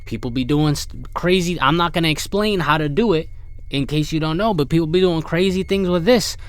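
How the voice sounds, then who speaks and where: A man's voice: on the high side, brisk, clean tone, dry recording. A man giving casual, slangy reaction commentary as a video host, sounding incredulous and partly reading text aloud. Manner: slangy, incredulous, often addressing viewer as bro.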